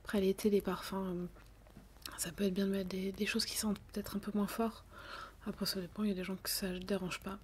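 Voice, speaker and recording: Softly whispering woman, even-toned. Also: medium pitch, a little fast, a little hiss or hum. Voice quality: soft whisper. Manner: hesitant, many fillers. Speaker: perfume saleswoman in a roleplay. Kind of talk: whispered ASMR roleplay.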